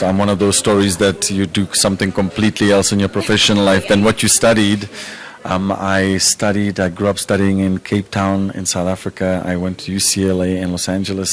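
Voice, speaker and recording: A Czech music manager answers interview questions in a relaxed, thoughtful manner, using lots of fillers. His voice sits low.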